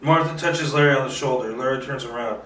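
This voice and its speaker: A man's voice: mid-range voice, quick pace, fairly bright tone. A man doing an informal table read of a screenplay, narrating the action and sometimes stumbling or repeating words. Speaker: script reader. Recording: roomy echo, distant mic.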